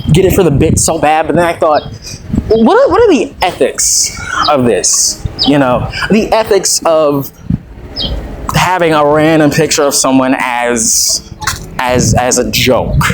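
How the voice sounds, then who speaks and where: A young adult man giving a casual, rambling audio diary, hesitantly repeating words and trailing off, with a dry, self-deprecating manner. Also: medium pitch. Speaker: vlogger recording an audio log. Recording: very noisy audio with clicks.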